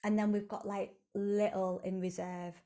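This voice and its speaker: A woman hosting a podcast, giving a slow, earnest and repetitive motivational talk. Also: medium pitch, level tone, warm tone. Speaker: podcast host, coach. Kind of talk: reflective solo motivational talk.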